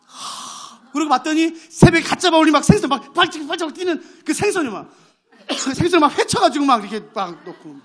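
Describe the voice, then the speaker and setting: A man's voice: very high voice, animated, brisk, fairly bright tone. A male pastor preaching a sermon, telling a story with great animation and acting out its characters' voices.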